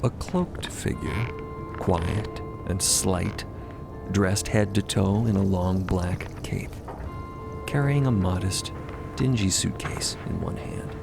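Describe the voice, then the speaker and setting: A man giving dramatic scripted story narration in a measured, atmospheric, deliberate manner. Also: low voice, creaky. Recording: loud music bed behind the voice.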